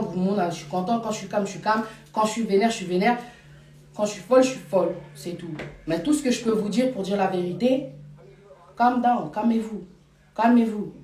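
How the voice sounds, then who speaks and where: A woman's voice: mid-range voice, a little mellow, distant mic. Woman live-streamer, casual emphatic chat, repeats for force, echoey room, off-mic. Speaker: live streamer addressing followers. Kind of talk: casual live chat, mixing French and Lingala. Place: Paris.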